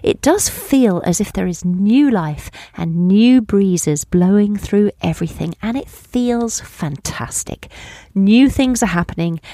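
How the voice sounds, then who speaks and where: A woman hosting a podcast, reading a gentle scripted introduction and sometimes dropping into a whisper. Her voice carries a light gravelly edge, and the studio sound is dry and close. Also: on the low side, no room sound. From United Kingdom. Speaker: podcast host.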